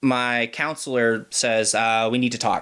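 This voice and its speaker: A man speaks fairly slowly at a medium pitch. He has a normal speaking voice. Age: 20s. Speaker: podcast guest sharing recovery story. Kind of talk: casual interview, personal testimony.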